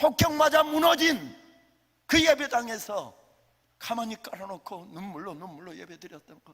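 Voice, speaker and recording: A man's high-pitched shouting at a moderate pace, with very wide pitch swings and big swings in loudness. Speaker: guest preacher. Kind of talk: sermon. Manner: loud, shouting.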